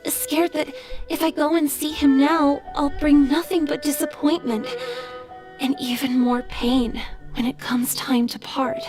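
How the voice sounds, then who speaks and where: A woman voicing a gentle, wistful female water spirit who speaks softly and earnestly in video game dialogue. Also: high voice, level tone, a little slow, music in the background. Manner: soft, earnest, confiding.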